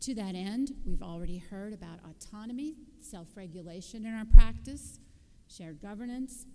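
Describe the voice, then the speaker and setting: A woman's dark, mellow tone at a moderate pace, with audible room echo. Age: 60s. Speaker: nursing leader, conference speaker. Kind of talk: conference talk.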